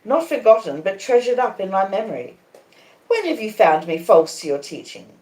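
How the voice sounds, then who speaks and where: A woman's voice: medium pitch, sing-song, darkish tone, lightly acted. Woman playing a proud, cool young lady, echoey. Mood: defiant. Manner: measured, reasoning, emphatic rhetorical questions. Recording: echoey conservatory.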